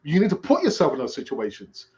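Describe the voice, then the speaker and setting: A man's voice: on the high side, wildly swooping pitch, fast, a little mellow, highs cut off. A man hosting a casual chat show, telling personal stories in a rambling way with many restarts. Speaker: podcast host.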